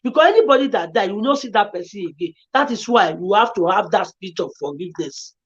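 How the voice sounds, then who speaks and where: A woman's voice: mid-range voice, animated, fast talker, slightly rough, muffled recording. A woman with a Nigerian accent, a guest on a talk show, giving earnest, repetitive and pleading advice. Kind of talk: emotional advice-giving chat.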